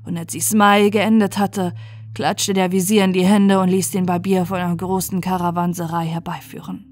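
A woman reading a bedtime fairy tale aloud in a calm, measured storytelling manner. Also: fairly low pitch. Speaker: audiobook reader.

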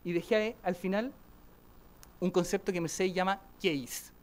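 A man giving a conference presentation at a podium, listing vehicles in a brisk way. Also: high-pitched. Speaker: conference speaker, vehicle company.

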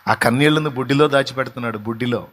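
A male pastor preaching a sermon with impassioned delivery, swinging from hushed to loud and pressing questions on the listener. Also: medium pitch, very fast. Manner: speaks directly to each listener, pressing questions.

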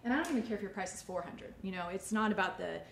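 Racing along in a mid-range voice with vocal fry, a forties-aged salon owner chats casually while teaching a demonstration. The setting is an echoey white-backdrop studio indoors, where faint ambient noise can be heard.

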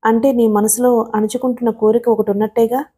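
A woman reading the lines of a devoted young husband, gentle and quietly pleading. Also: a little high, flat delivery, fairly quick, husky. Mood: tender.

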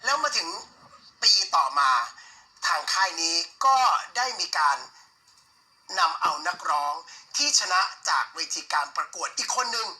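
Man, broadcast storyteller, piercingly bright tone, deliberate pointed phrasing, presenter delivery. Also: high-pitched, sing-song, rough recording.

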